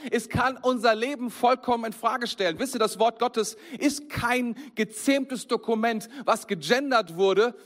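A man delivers a sermon with a fairly high voice. He speaks in a lively, conversational way and keeps turning straight to his listeners. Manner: lively, conversational, addresses the congregation directly. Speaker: preacher.

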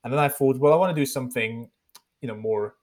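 A man's voice: mid-range voice, fast talker, a little mellow. Reflective Swiss man, podcast guest. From Switzerland. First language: Bosnian. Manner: reflective, many fillers and restarts. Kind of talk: casual interview chat.

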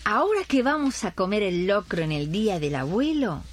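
A woman's voice: medium pitch, sing-song, normal speed. A woman playing a cheerful, contented and devout older pensioner in a radio drama.

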